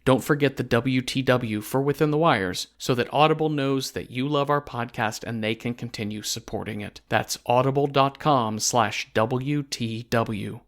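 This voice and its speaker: A man reading a podcast sponsor message in a conversational, informal way, with playful deadpan humor. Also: medium pitch, normal speed, hardly any pauses.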